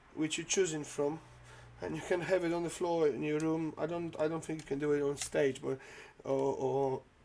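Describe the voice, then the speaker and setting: A man's dark, mellow tone in a Polish accent at a fairly quick pace. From Poland. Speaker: guitar gear reviewer. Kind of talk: product review. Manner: halting, many repetitions.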